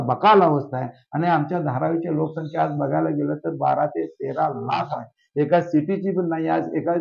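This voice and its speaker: This man, a social worker, answers an interview with fervor, stacking up lists and rhetorical questions. His fairly high voice is gravelly and darkish in tone. The sound quality is dull and lo-fi.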